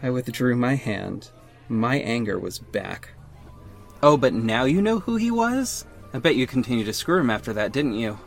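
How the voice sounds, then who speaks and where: A man's voice: mid-range voice, animated, normal speed, gravelly, faint music behind. An actor playing a hurt young gay man who narrates and speaks in an audio drama, earnest and emotional. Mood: angry. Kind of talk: audio drama acting and first-person narration.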